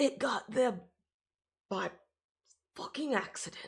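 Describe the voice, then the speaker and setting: This is a put-on character voice, raspy and fairly high in pitch. It moves at a fairly slow pace. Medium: actual play. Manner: casual, friendly.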